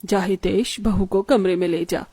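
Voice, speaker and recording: A woman voicing a kind, caring middle-aged mother-in-law in an animated story, speaking in a calm, motherly tone. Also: medium pitch, a little slow, breathy edge, no room sound, soft background music.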